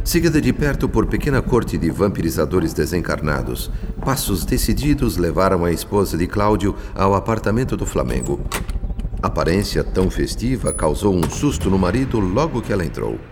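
An actor playing a solemn, literary narrator of a Brazilian radio drama, with a Brazilian accent. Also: male voice, low voice, big pitch swings, moderate pace, background noise. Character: solemn male spirit narrator, literary and judgmental. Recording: long reverb, faint music behind.

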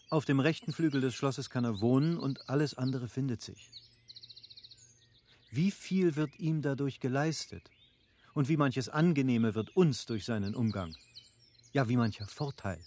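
An actor in a classic German radio play playing an eager, affable middle-aged baron who argues in formal, rhetorical phrases. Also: male voice, mid-range voice, darkish tone.

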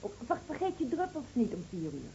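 An actress playing a flustered, slightly exasperated wife in a radio play, hurried and fussing. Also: female voice, fairly high pitch, wildly swooping pitch, gravelly, dark tone, full character voice. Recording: muffled old radio play recording, slight noise.

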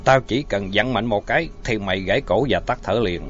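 A man voicing a big, furious male priest who growls slow, measured threats. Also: on the low side, natural voice. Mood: menacing. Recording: dull lo-fi audio, faint music.

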